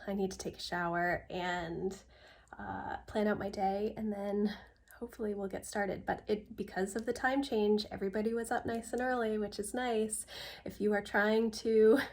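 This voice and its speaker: A middle-aged woman speaks in a casual, candid vlog style. Her voice sits at an ordinary medium pitch. She comes across as a chatty homeschooling mother talking through her everyday life.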